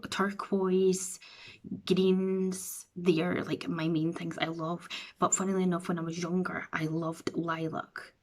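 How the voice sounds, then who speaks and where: Chatty husky Scottish woman in her thirties. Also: on the low side. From Scotland. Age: 30s. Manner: chatty, rambling, self-deprecating. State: runny nose. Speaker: beauty vlogger. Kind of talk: casual chat to camera. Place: bedroom at home, indoors.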